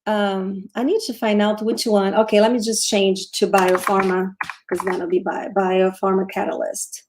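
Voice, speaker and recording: There's noise in the background as a Brazilian show host and trader in her forties runs a casual stocks livestream. She speaks with a Brazilian Portuguese accent at medium pitch, with little pitch movement and a moderate pace, often restarting sentences and responding to viewer questions.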